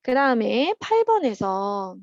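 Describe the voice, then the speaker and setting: A woman teaching at a private academy, patiently walking children through workbook answers in a chatty way, with frequent soft "um" pauses. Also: fairly high pitch, very animated, dry recording, highs cut off. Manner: patient and chatty, opens steps with "자" and fills pauses with "어".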